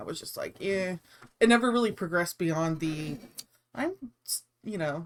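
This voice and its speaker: In an American accent, a woman with a fairly low voice makes very wide pitch swings. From USA. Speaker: artist streamer. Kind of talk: casual live stream chat. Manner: rambling, halting with fillers.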